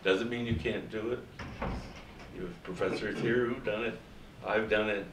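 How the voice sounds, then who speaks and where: An older man, a former diplomat, speaking on a panel in a measured, advisory way. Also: fairly low pitch, steady tone, background noise. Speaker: former Foreign Service officer, panelist. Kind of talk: panel talk. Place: university seminar room. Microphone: far camera. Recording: echoey room from far off.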